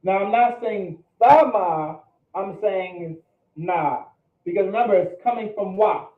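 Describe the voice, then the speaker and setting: Teaching a language class, a high-voiced man speaks at a measured pace in a classroom lecture. He presses his points emphatically and keeps asking "all right?" to confirm understanding. The echoey room comes through on phone-like audio.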